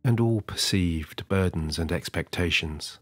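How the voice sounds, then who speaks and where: A man with a very low, husky voice eases the listener toward sleep in a slow, soothing hypnotic cadence. He is recorded close and dry, with a soft music bed playing quietly beneath him. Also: no room sound.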